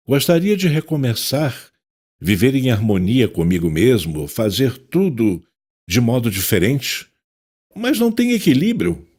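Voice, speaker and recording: A man's voice: on the low side, darkish tone, husky, full character voice. An actor with a Brazilian accent playing a tormented, self-loathing psychiatrist in an audio drama, anguished and theatrical as he confesses. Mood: anguished, pleading.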